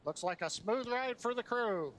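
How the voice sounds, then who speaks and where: A man's voice: very high voice, lively intonation, normal speed, a bit bright. A man giving live launch commentary, explaining technical steps as they come. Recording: some background noise and crowd.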